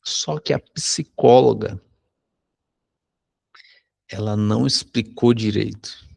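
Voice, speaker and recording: A Brazilian man, a psychology teacher, telling a personal anecdote in a conversational lesson, often tagging sentences with a quick question. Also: lowish voice, vocal fry, a little mellow, husky. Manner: conversational, frequent tag questions. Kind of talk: anecdote told in a recorded lesson.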